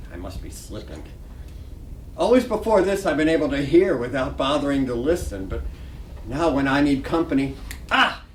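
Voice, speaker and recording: A lively, slightly high male voice, recorded at a distance, as a man acts out a dreamy hotel night clerk in a stage reading. He muses to himself, deferential and starstruck. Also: close to an everyday voice. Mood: musing, dutiful. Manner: musing to himself, eager and deferential. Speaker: actor in a staged play reading. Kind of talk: dramatic reading of a stage play. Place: library reading room. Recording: distant echoey room, faint noise.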